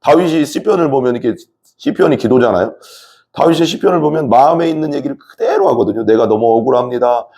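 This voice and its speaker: Mellow-voiced Korean pastor talking through scripture. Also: male voice, fairly high pitch, sing-song, quick pace. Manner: conversational, asks the listeners questions, frequent fillers. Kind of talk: Bible study sermon.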